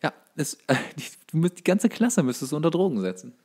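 A man's voice: on the high side, very animated, fast talker, mellow, slightly rough. A young man chatting casually as a podcast co-host, colloquial and opinionated. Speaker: podcast co-host and workshop teacher.

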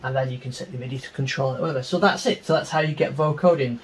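A middle-aged man presents an informal software tutorial from a small home studio. His voice sits at a medium pitch as he explains things in an unscripted way. Some background room noise runs under his speech. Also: racing. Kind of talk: informal screen-share tutorial.

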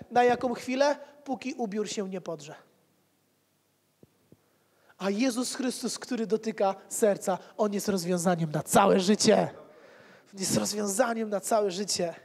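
A man's voice: high-pitched, a little mellow. Man preaching in a reverberant hall. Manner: rhetorical repetition, conversational asides. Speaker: pastor. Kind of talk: sermon. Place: church hall with pews. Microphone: handheld mic.

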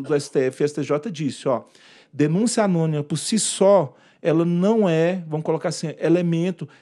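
A man with a slightly high, mellow voice gives an informal presentation to an audience on workplace harassment law. He points to slides and acts out quoted dialogue as he goes.

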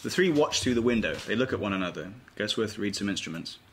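A man with a fairly low voice narrates stage directions from a script. It sounds like an informal table read, with faint noise in the recording. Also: expressive, quick pace. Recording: noisy informal room recording.

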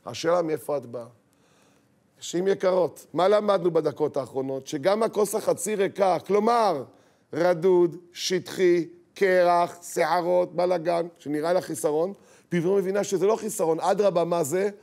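A middle-aged rabbi giving a lively talk to an audience, asking rhetorical questions and acting out the voices in his stories. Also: high-pitched, gravelly. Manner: animated, acts out quoted voices, rhetorical questions.

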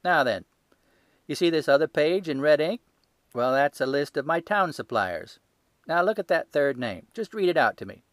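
A man doing a gruff shouting market salesman. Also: a little high, animated, normal speed, dry recording, studio quality, voice pushed up, natural voice. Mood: boastful. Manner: loud, hectoring, shouting. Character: gruff, blustering male market poultry salesman.

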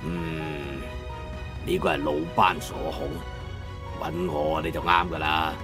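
An actor playing a proud, emotional old master locksmith in an emphatic Cantonese audiobook drama. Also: male voice, extremely low pitch, flat delivery, slow pace, music in the background. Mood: confident. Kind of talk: dramatized audiobook character acting.

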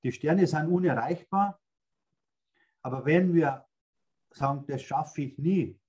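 An older man with a Bavarian accent, a guest on a video-call interview, telling lively stories about his plans. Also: on the high side, slow pace, husky. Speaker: guest, speaker agency founder. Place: indoors, in front of a red stage curtain backdrop.

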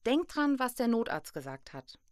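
An actress playing a serious, probing investigator in a German audio drama. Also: female voice, fairly high pitch, big pitch swings, moderate pace, darkish tone, no echo, clean studio sound. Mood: serious, pondering.

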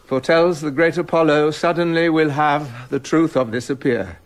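A man's voice: fairly high pitch, steady tone, moderate pace, close to an everyday voice. An older actor playing a jealous, tyrannical king in a radio drama, commanding and stern. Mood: resolute. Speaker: King Leontes.

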